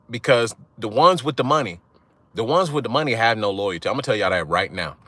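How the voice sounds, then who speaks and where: A man's voice: mid-range voice, pushed and bright, no room sound. A young man, talking straight to his viewers in a casual monologue. He is blunt and profane, and he keeps asking "right?" to drive his points home. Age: young adult. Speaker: channel host.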